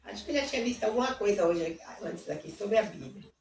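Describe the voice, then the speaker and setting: A woman hosting a devotional reading, fervently reading hymn lyrics aloud, adding warm asides, and leading a prayer. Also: mid-range voice, animated, fast, creaky, a little hiss or hum. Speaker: Bible reading host. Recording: roomy, distant mic with faint ambience.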